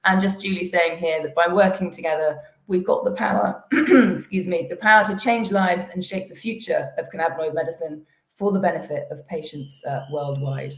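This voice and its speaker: Low-voiced woman presenting to investors, echoey. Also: steady tone, moderate pace. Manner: hesitant, many fillers and restarts. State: losing her voice. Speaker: company executive presenting to investors.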